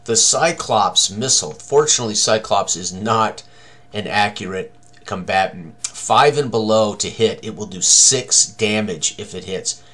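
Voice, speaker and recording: An older man in his sixties with a fairly low voice gives a tutorial on tabletop game combat. He speaks haltingly, thinking aloud as he works through each step at his desk. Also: sharp tone.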